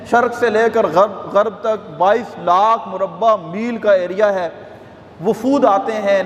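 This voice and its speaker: A man preaching a sermon in a mosque with a Pakistani Urdu accent, telling stories with impassioned, rising and falling delivery. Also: high voice. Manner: impassioned, rising and falling delivery, quotes figures in his own voice. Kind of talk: emotional storytelling sermon. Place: large mosque hall. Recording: echoey mosque hall with faint ambience.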